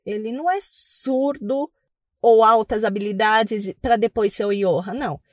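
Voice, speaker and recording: A woman's voice: on the high side, a little slow, dry recording, clean studio sound. A woman speaking earnestly and reflectively as an interview guest.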